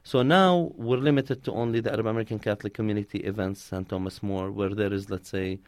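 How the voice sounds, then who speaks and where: Low-voiced man, close dry sound. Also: fairly even intonation, fast talker, darkish tone, no room sound. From Palestine. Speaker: interviewee, community organizer. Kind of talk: conversational interview answers, telling personal stories.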